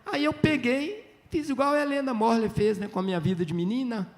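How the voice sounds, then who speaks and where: On a literary festival panel, an older writer from Minas Gerais, Brazil, tells chatty stories in a very high voice at a fairly quick pace. His delivery is lively, with tag questions and frequent acted-out dialogue.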